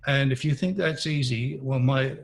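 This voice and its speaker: An interview guest who grew up in Malaysia, speaking at a middle pitch with a husky, slightly breathy voice. He tells his story in a measured, earnest, reflective way.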